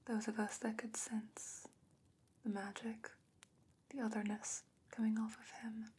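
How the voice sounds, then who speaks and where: A woman as a breathy, whispering fantasy potion maker. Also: a little high, flat delivery, unhurried, a little mellow. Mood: guarded, reminiscing. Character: calm, knowing fantasy woman, secretive potion maker, wary. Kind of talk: soft-spoken ASMR fantasy roleplay.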